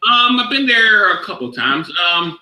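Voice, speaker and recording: Male fighter from Georgia, bright edgy tone, easygoing and halting, roomy echo. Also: high-pitched, big pitch swings. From Georgia, USA. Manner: laid-back, halting, filler-heavy. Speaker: fighter, interview guest. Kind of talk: casual interview chat. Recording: echoey room.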